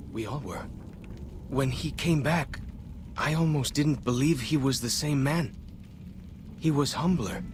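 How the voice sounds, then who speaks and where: Brief: young tribal scout, plainspoken, relaxed, game dialogue with noise bed. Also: male voice, mid-range voice. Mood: reflective. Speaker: game character.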